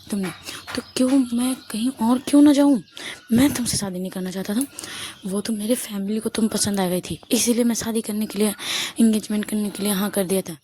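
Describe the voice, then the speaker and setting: A woman's voice: mid-range voice, warm tone, a little hiss or hum, lightly acted. A woman voicing a rude young man who speaks harshly and dismissively to his fiancée in a storybook tale.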